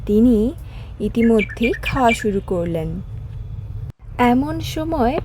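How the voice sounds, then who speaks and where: A woman's voice: a little high, expressive, takes it slowly, heavy background noise. A woman narrating a scripted fairy tale as a storyteller.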